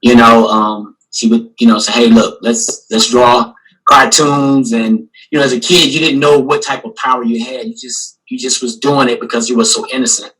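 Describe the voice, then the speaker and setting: An artist and guest curator from Newport News, Virginia, talks casually on a video call panel, rambling and packing his sentences with "you know." His voice sits at medium pitch and moves at a normal speed, a bit bright and husky, though the audio is poor.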